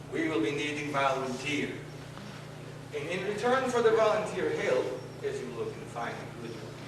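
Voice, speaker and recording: A man playing a brash, shady Russian gypsy carnival magician, with a Russian accent and deadpan, mock-formal broken English, doing vaudeville comedy patter on stage. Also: on the high side. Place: large theater stage. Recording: echoey theater, distant mic, noisy.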